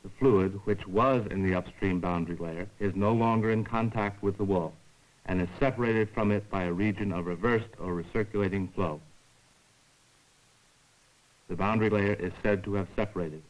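A man giving formal, measured scripted narration for an educational science film, explaining carefully like a lecturer. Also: on the low side, fairly even intonation, poor audio.

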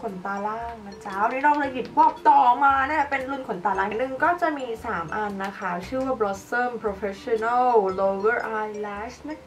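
A woman's voice: a little high, a little slow, hardly any pauses. Chatty young woman doing a makeup tutorial. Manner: chatty, demonstrates products while applying makeup. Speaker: beauty vlogger. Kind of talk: casual makeup tutorial chat. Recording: voice a bit far from the mic, light background music.

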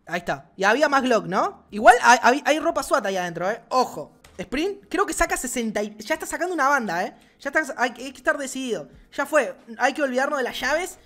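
A man with an Argentine accent giving excited gameplay commentary as a gaming channel host, swearing and shouting often. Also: very high voice, brisk, few pauses. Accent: Argentine Spanish.

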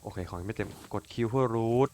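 A man doing casual let's-play commentary, cursing freely, bursting out excitedly and talking to his game character like a friend. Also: medium pitch, brisk, slight background noise. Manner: crude, swears a lot, excitable outbursts; talks to his game character as if to another person. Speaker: gaming YouTuber.

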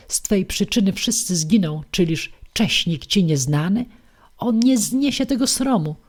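A woman's voice: lowish voice, a little mellow. A woman reading aloud and voicing a boastful, cowardly man who flusters and fawns. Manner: fawning, flustered, bowing and scraping. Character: boastful cowardly male braggart, fawning and jittery.

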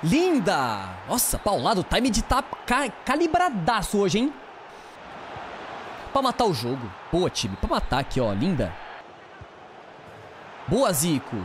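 A Brazilian man streaming a football game, commentating live with a fairly high voice that leaps all over the place. He bursts out at his players in casual slang. Faint background noise sits under the recording. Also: takes it slowly, long pauses. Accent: Brazilian Portuguese. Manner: excitable, shouts at players, slangy banter. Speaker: gaming streamer.

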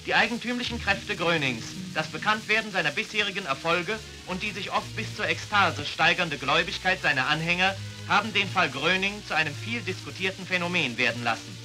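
A man reading a formal, measured narration for an old newsreel, heard from an archive recording. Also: sits high, animated, rough recording. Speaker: newsreel announcer. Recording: old newsreel sound with loud music.

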